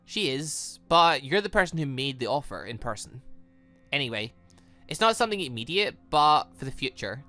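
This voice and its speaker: A man voicing a serious, guarded young female hunter in a visual novel, measured and matter-of-fact. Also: mid-range voice, big pitch swings, bright, forceful tone, faint music behind. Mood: serious, subdued. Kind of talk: visual novel dialogue reading.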